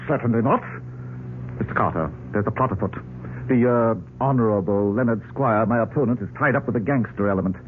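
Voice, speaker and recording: A man's voice: mid-range voice, a little fast, lightly acted. A man playing a pompous, dignified politician with stuffy formal diction and some nervousness under the bluster, in 1940s radio drama style. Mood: anxious, formal. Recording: old muffled 1940s radio recording, hissy.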